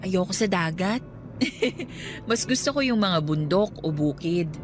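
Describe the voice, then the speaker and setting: A woman playing a playful, expressive young woman in a radio romance drama. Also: on the low side, slow pace. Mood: relaxed, chatty. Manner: teasing, girlish, expressive exclamations. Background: music.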